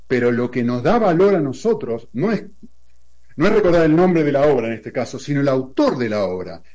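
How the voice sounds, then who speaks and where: A man's voice: medium pitch, warm tone. A man from Argentina with an Argentine accent, explaining Christian ideas in a conversational teaching style, building his point with everyday examples and rhetorical questions. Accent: Argentine Spanish.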